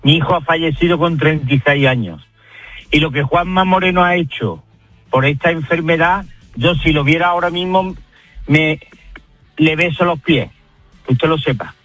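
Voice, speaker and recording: A man's voice: on the high side, normal speed, pauses often, fairly bright tone, no echo, faint music behind. An older man speaking insistently on a recorded phone call, with earnest, stumbling phrasing. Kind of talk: emotional phone testimony.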